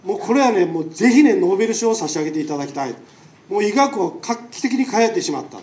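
A man with a Nagasaki accent lectures in a high voice, talking in a chatty way and throwing questions at his listeners. He is picked up from a distance in an echoing hall. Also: big pitch swings, quick pace, a little mellow. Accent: Nagasaki dialect. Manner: chatty, rhetorical questions to the audience. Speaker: lecturing doctor. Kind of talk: public lecture. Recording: echoey hall, mic far off.

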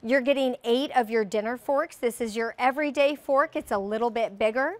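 A middle-aged woman, a brand guest on a live TV shopping show, describing flatware patterns in a studio. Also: on the high side, brisk. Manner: warm, descriptive product talk. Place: TV studio set.

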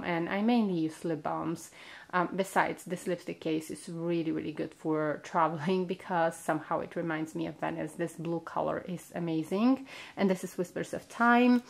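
A woman's voice: on the low side, gravelly. A woman vlogger narrating her trip in an enthusiastic, admiring way, with some "um" fillers. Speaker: travel and beauty vlogger. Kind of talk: travel vlog voice-over narration.

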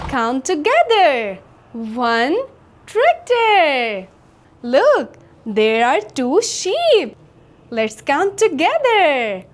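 A young woman presenting a children's educational lesson in a bright, sing-song, exaggerated cheerful manner, like an educational toy. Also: high voice, noisy background. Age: young adult. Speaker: children's counting lesson host.

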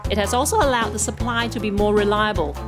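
A woman's voice: mid-range voice, fast talker, over music. A woman hosting a travel food show, chatty and upbeat as she tastes dishes. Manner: upbeat, chatty, talks with mouth full.

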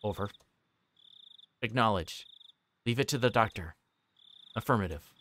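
A man's voice: lowish voice, unhurried, a bit bright. A man voicing terse, businesslike police officers on a radio dispatch in a visual novel, with clipped procedural delivery. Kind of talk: visual novel read-aloud.

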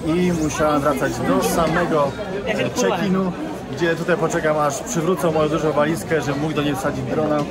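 Man, casual travel vlogger, handheld camera, slightly high voice, loud crowd behind. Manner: chatty, asks short questions. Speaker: vlogger filming the group. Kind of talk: casual travel vlog chat. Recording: loud crowd noise around.

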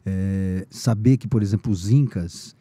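Middle-aged male guest, warm relaxed voice, dry close sound, lively storyteller who acts out his own quotes. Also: low-pitched, measured pace, no room sound. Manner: lively, acts out his own past lines in a raised excited voice; informal, frequent slang fillers. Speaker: podcast guest, teacher of shamanism. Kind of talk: casual storytelling in a conversation.

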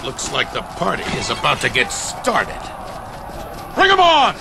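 A man voicing a brash, burly warrior who is loud and eager for battle in a video game cutscene. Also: on the high side, wildly swooping pitch, unhurried, vocal fry, music in the background, exaggerated voice. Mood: battle-ready.

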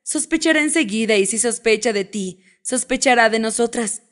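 A woman's voice: fairly high pitch, normal speed, lightly acted. A woman doing a playful young friend.

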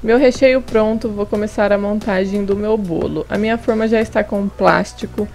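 A woman's voice: medium pitch, steady tone, moderate pace, darkish tone, soft background music. A young woman hosting a home cooking video, chatting through each step and adding friendly tips in a voice-over. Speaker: cooking channel host. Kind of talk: casual recipe demonstration. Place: home kitchen table.

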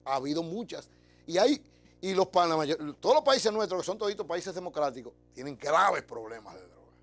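A man's voice: on the high side, sing-song, normal speed, faint music behind. A middle-aged man with a Dominican accent, hosting a TV show with an emphatic, conversational monologue to camera. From Dominican Republic. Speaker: TV show host. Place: TV studio. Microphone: lapel mic.

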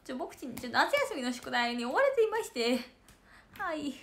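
A woman's voice: high-pitched, very animated, moderate pace. A woman doing an impression of a sleepy, fretful young girl who whines about oversleeping. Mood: whiny.

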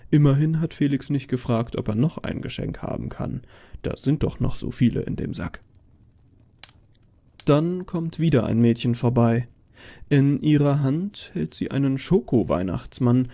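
A man's voice: medium pitch, gravelly, warm tone. A man reading a first-person horror story as a dramatic, scripted narration.

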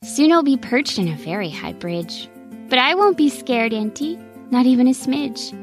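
Woman reading as an excited little fox girl, storybook, lively pitch, soft music behind. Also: moderate pace. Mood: eager.

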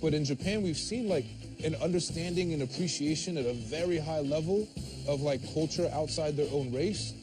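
A laid-back man in his thirties talks in a casual, slangy way, and his voice sits a little high. A clear music bed plays under him. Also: moderate pace, poor audio. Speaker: host. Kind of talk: casual travel show chat and voice-over.

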